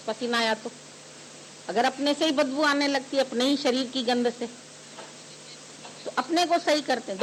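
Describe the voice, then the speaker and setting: A man with a high voice delivers a devotional sermon in a homely, chiding way and keeps firing rhetorical questions. A faint hiss sits under the recording. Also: fairly bright tone, poor audio. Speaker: spiritual teacher.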